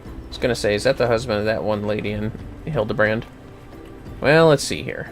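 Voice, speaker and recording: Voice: mid-range voice, fairly quick. A streamer casually commenting on an online fantasy game, muttering to themself and swearing lightly. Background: game music.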